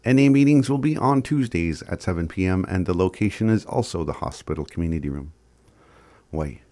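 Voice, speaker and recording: Guy w indigenous canadian rez accent doing community notices, lowish voice, really dry sound, bit informal. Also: lively intonation, quick pace, mellow, dry recording. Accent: Indigenous Canadian reservation accent. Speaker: community announcer. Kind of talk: reading scripted community announcements.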